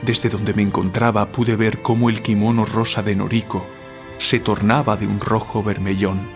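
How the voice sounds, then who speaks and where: Male actor as a guilt-ridden writer, deliberate and literary, lower register, music underneath, for audio drama. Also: flat delivery, close to an everyday voice. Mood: solemn narrating.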